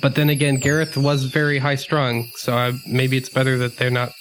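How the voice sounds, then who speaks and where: A man's voice: mid-range voice, completely flat delivery, normal speed, background noise. A man playing a tabletop game with friends, talking casually in character in a hesitant, rambling, slangy way. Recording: music playing under the voice.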